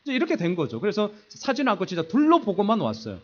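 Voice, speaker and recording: A middle-aged pastor preaching, his fairly high voice leaping up and down as he acts out his own story with self-mocking humor. The sound is dull and lo-fi, like an old church video recording. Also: fast talker. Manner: animated storytelling, acting out quoted voices. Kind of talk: sermon. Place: church sanctuary.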